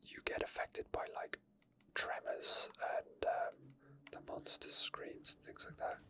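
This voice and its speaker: Casting: ASMR gaming creator who whispers throughout, bright breathy edge, right up on the microphone, unscripted and casual. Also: takes it slowly. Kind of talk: whispered ASMR game commentary and chat. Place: indoor gaming setup at a computer. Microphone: microphone very close to the mouth.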